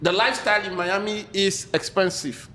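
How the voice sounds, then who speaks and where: A man's voice: high voice, fairly even intonation, normal speed, pushed and bright. A man with a Nigerian accent, a podcast guest telling stories in casual chat, laughing often and repeating words as he starts.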